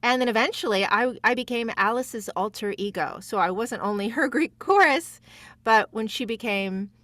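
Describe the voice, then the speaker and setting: A woman guest voice actress telling stories casually, in a chatty, giggly, rambling and animated way. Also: on the high side, normal speed, dry recording.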